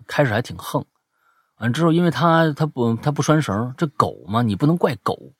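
A man hosting a casual chat show, telling stories in an animated, emphatic way. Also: mid-range voice, brisk, breathy edge, dry recording, studio quality.

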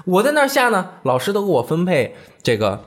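A man's voice: high voice, brisk. A man in his thirties from Hebei, China, co-hosting a casual chat podcast and telling stories with acted-out voices. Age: 30s. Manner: animated storyteller, acts out quoted voices. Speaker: podcast co-host.

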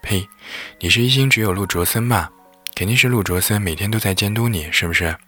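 A man voicing a teasing, sharp-tongued female best friend, blunt and mocking. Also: fairly low pitch, brisk, faint music behind.

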